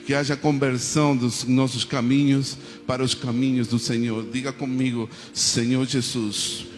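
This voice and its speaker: A man's voice: mid-range voice, big-room sound. A man from Argentina who speaks Spanish natively, preaching a sermon with an Argentine Spanish accent and leading the congregation in prayers and responses. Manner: preaching with call-and-response prayers and frequent "amém". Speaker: pastor.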